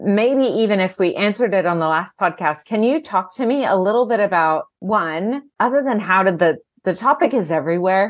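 In an unremarkable speaking voice of medium pitch, a woman talks at a fairly quick pace with lively intonation, very even loudness and hardly any pauses against a quiet background. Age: 50s. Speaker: podcast host and literary agent. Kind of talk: casual interview chat; scripted intro narration.

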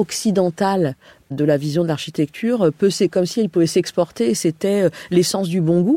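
Dark, mellow tone from a woman at a fairly low pitch, with ordinary pitch variation, a dry, close sound with no echo, and a very clean recording over a silent background. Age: 40s. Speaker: interior design firm co-founder. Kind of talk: interview.

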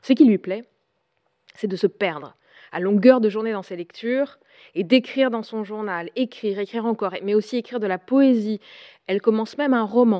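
A woman with a dark, mellow tone speaks at a fairly high pitch and a moderate pace, with ordinary pitch variation, big swings in loudness, and long, frequent pauses. The sound is dry and close with no echo, on a very clean recording with a silent background. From Mediterranean France. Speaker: writer and lecturer. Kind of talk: lecture.

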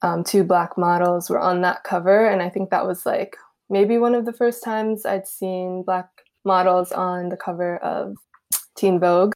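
This woman has a Chicago accent. Her intonation is monotone and flat. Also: medium pitch for a woman, moderate pace. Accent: American, Chicago. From US Midwest, Chicago. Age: 20s. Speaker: beauty writer. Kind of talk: interview.

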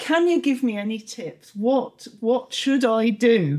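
Fairly high in pitch, a woman with an unremarkable speaking voice talks at a fairly slow pace with lively intonation. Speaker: podcast host. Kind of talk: interview. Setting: in a BBC building in Birmingham.

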